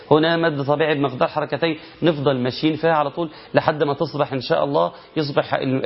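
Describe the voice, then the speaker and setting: A man with an Egyptian accent teaching Quran recitation, asking rhetorical questions and chanting drawn-out verses to show the rules. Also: a little high. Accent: Egyptian Arabic. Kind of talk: recitation lesson. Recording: lo-fi muffled recording.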